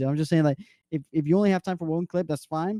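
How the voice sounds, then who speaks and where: A man talks at a very fast pace in a fairly high pitch with a dark, mellow tone. The sound is dry and close, with no echo. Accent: Puerto Rican. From Puerto Rico. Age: 20s. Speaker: social media manager, streamer. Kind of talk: casual chat.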